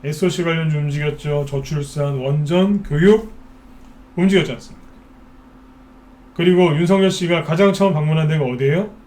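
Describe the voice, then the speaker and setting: A man's voice: fairly high pitch, a little fast, darkish tone. A man hosting a stock market broadcast, talking casually and firing off rhetorical questions, often mimicking worried investors. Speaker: stock market expert host.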